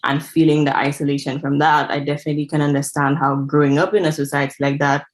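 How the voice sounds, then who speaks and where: Low-voiced young woman with a Saint Lucian accent. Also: little pitch movement, fast. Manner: frank, reflective, says "like" often. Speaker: guest analytics specialist. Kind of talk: casual interview answers.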